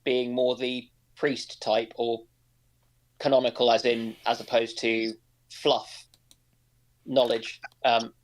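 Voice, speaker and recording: Guy co-hosting a chill stream, talks really slowly, average pitch, hesitant and dryly understated. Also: little pitch movement, poor audio. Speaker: livestream co-host. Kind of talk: casual chat.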